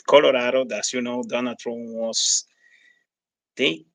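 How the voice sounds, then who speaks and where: A man with a Hispanic accent, a native Spanish speaker, giving live election results commentary as a livestream host, often halting and searching for words. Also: medium pitch, fairly even intonation, vocal fry, no room sound.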